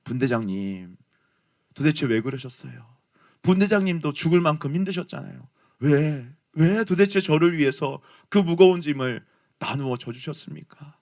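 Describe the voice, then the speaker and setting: A man's voice: on the high side, animated, moderate pace. A man playing a tearful young army private. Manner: soft, choked pleading.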